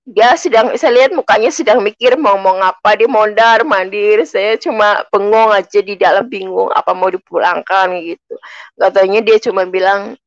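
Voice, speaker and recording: A woman's voice: medium pitch, moderate pace, no room sound, highs cut off. A woman from Indonesia giving an earnest personal faith testimony, speaking to listeners as friends.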